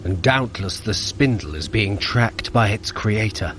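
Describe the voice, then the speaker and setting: Clever trickster god, animated intonation, dry wit, theatrical diction, fantasy audio drama, clear background noise of effects. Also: male voice, lowish voice, unhurried. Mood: wry, pondering. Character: Loki, clever, wry male god of mischief.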